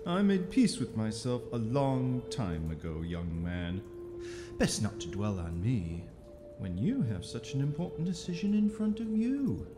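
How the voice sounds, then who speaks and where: A sinister, wildly swooping mage inquisitor. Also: female voice, very deep voice, sing-song, measured pace, full character voice. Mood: cruel amusement. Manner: theatrical, drawling, condescending. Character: sinister mocking mage inquisitor, cruelly amused, smooth-talking. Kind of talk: audio drama acting. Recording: long echoing reverb, music underneath.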